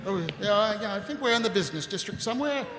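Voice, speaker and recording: A man's voice: high-pitched, animated, quick pace, fairly bright tone, slight background noise. A man playing a weary, sardonic middle-aged watch captain in live audio theatre, rambling and wry. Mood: excited, flustered. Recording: echoey live stage hall, music behind.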